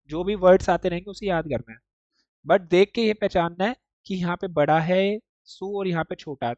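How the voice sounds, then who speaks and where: The voice is medium-pitched and a little mellow, recorded close and dry with no room sound and the highs cut off. Teaching Japanese writing online, this instructor goes step by step in Hindi mixed with English words, often asking "ठीक" or saying "देखो" to make sure students follow.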